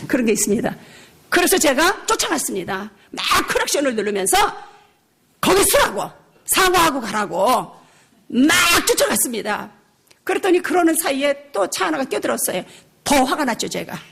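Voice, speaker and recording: An older woman missionary preaching a revival sermon, telling a personal story with lively acted-out dialogue and frequent laughter. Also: high voice, gravelly, a little hiss or hum. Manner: animated storytelling, acting out her own shouting; laughs often while preaching.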